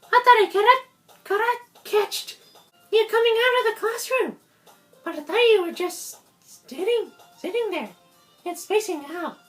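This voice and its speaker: A woman voicing a bubbly, airheaded high-school girl in a visual novel, squeaky and excitable. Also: unhurried, long pauses, faint music behind. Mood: cheerful teasing. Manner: excitable, loud.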